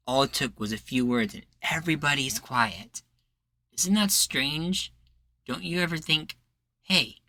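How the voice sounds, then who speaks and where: A defiant, charismatic male rebel leader, acted by a man for an audio roleplay. His voice is bright and forceful in a very dry space. He speechifies earnestly and persuasively, in folksy phrasing. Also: mid-range voice, no echo, full character voice. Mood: commanding, provocative. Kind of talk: roleplay ASMR acting.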